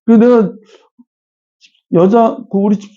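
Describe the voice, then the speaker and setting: A man's voice: high-pitched, steady tone, measured pace, mellow, muffled recording. A middle-aged man teaching math in a classroom lecture, chatty and often checking in with his students. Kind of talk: classroom lecture with casual digressions.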